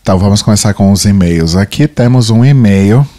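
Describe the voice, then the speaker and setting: Deep-voiced man with a cold. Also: brisk. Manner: playful, chatty, reads at a steady pace. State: has a cold. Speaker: podcast co-host. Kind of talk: casual chat, reading listener emails aloud.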